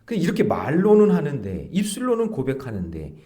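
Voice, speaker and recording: A man's voice: fairly high pitch, wildly swooping pitch, brisk, mellow. A middle-aged man preaching an early morning prayer sermon in a church, asking the congregation questions and acting out the voices he quotes. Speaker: pastor. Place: church sanctuary.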